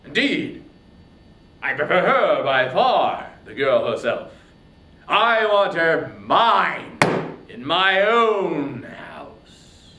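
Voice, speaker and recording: Grasping, imperious warrior king played by a man for epic verse; highish voice, huge dynamic swings, roomy echo. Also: sing-song, extremely slow, a little hiss or hum, full character voice. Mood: possessive pride. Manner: haughty, declamatory, swinging from hushed to thundering. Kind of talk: dramatic reading of epic poetry.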